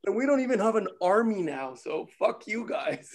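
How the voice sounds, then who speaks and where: Higher-voiced man telling stories. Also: big pitch swings, normal speed. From Costa Rica. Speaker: participant in an online table read gathering. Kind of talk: casual chat, animated storytelling.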